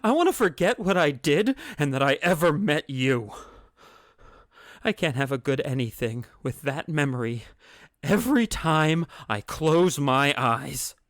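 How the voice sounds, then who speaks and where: A man's voice: on the high side, lively intonation, unhurried, fairly bright tone, no room sound, studio quality. A man playing an anxious, guilt-ridden family man in a radio play, speaking hesitantly and earnestly. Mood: resolute, troubled.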